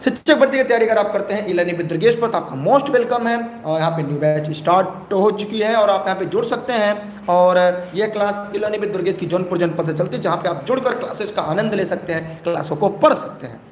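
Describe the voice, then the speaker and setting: A young male teacher with a high voice and an eastern Uttar Pradesh Hindi accent, running a live exam-prep class. He keeps pressing viewers to comment quickly and repeats key phrases. The room is echoey, with a faint hiss behind him.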